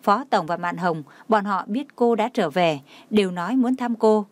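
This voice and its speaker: A woman's voice: medium pitch, moderate pace, no echo, natural voice. Woman doing a bossy scolding friend.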